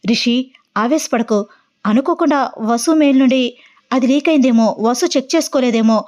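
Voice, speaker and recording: A woman's voice: high-pitched, moderate pace, darkish tone, lightly acted. Loyal young male friend, soothing and reasonable; a woman reads him. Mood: reasoning.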